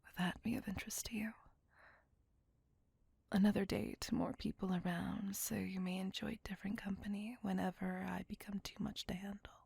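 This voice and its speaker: A woman's voice: mid-range voice, level tone, darkish tone, no room sound, full character voice. A woman voicing a possessive, remorseful female vampire lover in a whispered ASMR roleplay, talking in an intimate, doting way. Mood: tender. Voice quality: whispered, breathy and gravelly. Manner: intimate, apologetic, slow and doting.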